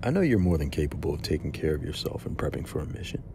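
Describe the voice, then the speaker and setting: A man's voice: a bass voice, sing-song, fast talker, vocal fry, noisy background, full character voice. A man playing a flirtatious, protective spy with a hot temper in an audio drama. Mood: flirty, teasing. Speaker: voice actor in a fan audio drama. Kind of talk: audio drama acting, intimate.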